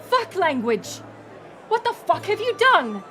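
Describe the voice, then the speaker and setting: A woman's voice: very high voice, sing-song, slow pace, pushed and bright, exaggerated voice. A woman playing a fiery, defiant young princess in a dramatic audio roleplay, indignant and bitingly sarcastic. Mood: furious, indignant. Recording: music and crowd murmur behind. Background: music and banquet crowd.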